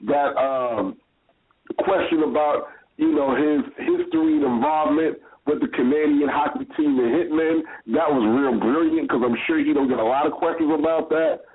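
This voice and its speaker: A man's voice: on the high side, moderate pace. A man co-hosting a podcast in loose, rambling casual chat, heard over a speakerphone line. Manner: loose, rambling, repeats phrases. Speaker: podcast co-host. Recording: tinny phone-line sound.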